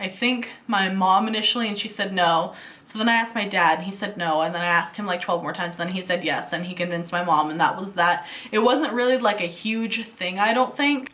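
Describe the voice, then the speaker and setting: A woman in her twenties talks to her camera with a slight lisp, answering viewer questions in a loose, chatty way. She is easygoing and fills her sentences with casual fillers. Her pitch sits in an ordinary middle range for a woman. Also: bright, forceful tone. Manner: chatty and easygoing, many fillers like "like" and "you know". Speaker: beauty and lifestyle vlogger.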